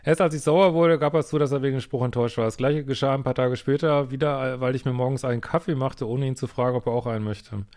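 A man's voice: mid-range voice, fairly even intonation, fast talker, few pauses, darkish tone. A man, a couples therapist, reading a viewer's email aloud and breaking in with blunt, sarcastic, slangy comments.

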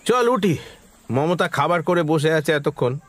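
An actor playing a friendly village man in an audio horror story, talking in a lively, familiar way. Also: fairly high pitch, unhurried. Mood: brisk.

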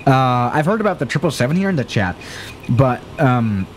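Live-streaming a flight simulator, this young adult chats excitably in a mid-range voice at a moderate pace, growing flustered when things go wrong. His desk studio mic in a small room picks up a little hiss or hum.

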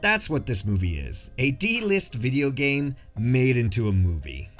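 Animated man reviewing a film. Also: medium pitch, measured pace, over loud music. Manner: jokey, slangy delivery. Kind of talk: casual scripted review narration.

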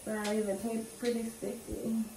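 A woman's voice: fairly high pitch, flat delivery, normal speed, creaky, dark tone. Reassuring nurse, woman, off-mic in a room. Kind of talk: reassuring patient care talk. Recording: roomy, distant, slight noise.

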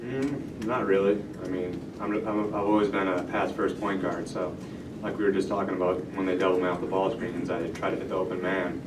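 A young man, a college point guard at a post-game press conference, talking in a halting, self-critical way. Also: low-pitched, flat delivery. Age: young adult. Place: indoor press room. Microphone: table microphone. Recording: roomy, distant, noisy press room.

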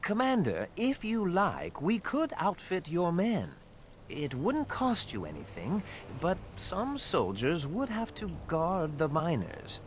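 An obliging video game smith, deferential to his commander. He talks slowly with a very swooping, fairly high pitch, over some background noise. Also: wildly swooping pitch, exaggerated voice. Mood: pleased, deferential. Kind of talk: fantasy video game acting.

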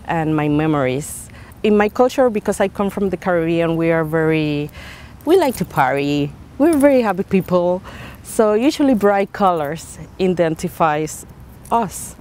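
A woman in her thirties from Puerto Rico, with a Puerto Rican Spanish accent and a fairly low voice. She talks with lively warmth in slightly broken English. She is recorded outdoors on a lapel mic, with faint ambient noise behind her. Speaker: artist. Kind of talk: interview. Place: outdoors by a painted building.

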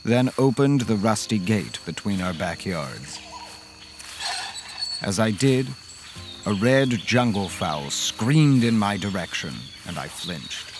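An actor playing a polite, fussy accountant who tells a horror story in the first person, in a measured way. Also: male voice, lowish voice, big pitch swings, loud music behind the voice. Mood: reflective.

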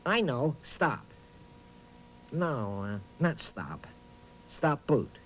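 A man's voice: fairly high pitch, sing-song, extremely slow, a little hiss or hum, exaggerated voice. A man voicing a friendly, absent-minded talking boot who hosts a children's reading show in a hesitant, chatty way. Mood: flustered, friendly. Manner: hesitant, bumbling, chatty, hums nonsense syllables. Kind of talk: playful children's educational presenting.

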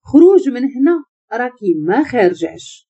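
A woman's voice: fairly high pitch, big pitch swings, moderate pace, warm tone, husky, full character voice. Woman voicing a cold, menacing young man. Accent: Moroccan. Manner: cold and threatening. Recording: muffled lo-fi recording.

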